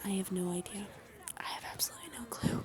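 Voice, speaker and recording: The speaker is soft-spoken. Noticeable background noise runs under the voice. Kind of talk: casual talk to camera.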